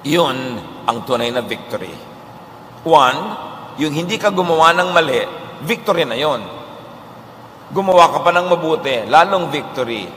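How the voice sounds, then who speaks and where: A male preacher with a Filipino accent, giving a sermon and mixing Filipino with English, reading scripture verses slowly and deliberately. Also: on the high side, animated, fairly bright tone, roomy sound, long reverb tail, slight background noise.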